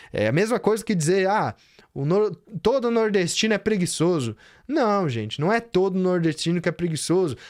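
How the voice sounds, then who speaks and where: With a southern Brazilian accent, a man speaks at a moderate pace in a high pitch, his intonation lively. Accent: gaúcho accent, noticeable. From Rio Grande do Sul, southern Brazil. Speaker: spiritual course teacher. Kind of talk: live online lecture.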